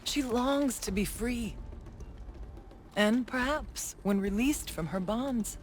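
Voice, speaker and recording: An actress playing a solemn, wry tribal shaman in a video game, speaking in measured, formal phrases. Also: fairly high pitch, faint music behind. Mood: earnest, pleading. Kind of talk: dramatic video game cutscene acting.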